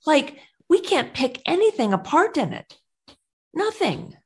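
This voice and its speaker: Slow-talking animated woman co-host. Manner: animated storyteller, puts on high squeaky voices when quoting. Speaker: podcast co-host. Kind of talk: casual chat.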